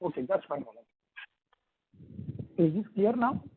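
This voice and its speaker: An analyst calls in over the phone, his slightly raised voice a little husky. The line is thin, dry and telephone-like. He sets out his questions one by one in a careful order. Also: sits high, sing-song, a little slow. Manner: methodical, lays out numbered questions. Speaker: analyst caller. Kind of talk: asking questions on an earnings call. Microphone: phone handset.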